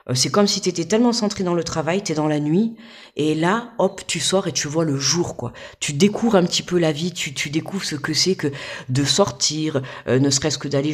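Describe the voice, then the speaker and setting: Sitting at her home desk, a woman with a low, breathy voice gives a casual tarot reading to the viewer. She's informal and talkative, speaking straight to the listener. She keeps checking in with "d'accord?" and "tu vois".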